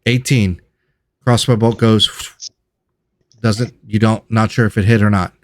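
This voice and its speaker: A man's voice: fairly low pitch, steady tone, unhurried, dry recording. A man narrating as game master of a tabletop game, describing scenes in a loose, self-correcting way.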